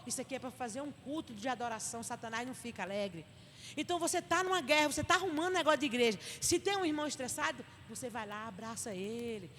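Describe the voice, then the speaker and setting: A high-pitched, middle-aged woman pastor with a Northeastern Brazilian accent teaches with animated emphasis. Her voice rings with long reverb through a church hall. A faint hiss sits underneath. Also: fast talker. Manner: animated and emphatic, acting out little dialogues. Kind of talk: church Bible study talk.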